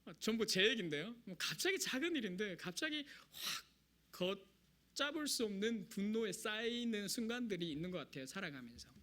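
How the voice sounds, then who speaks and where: Young male preacher, regional Korean accent, high, bright voice, nervous humor. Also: animated, fairly quick. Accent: Korean regional dialect. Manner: self-deprecating, conversational, nervous humor. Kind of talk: sermon. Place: church sanctuary.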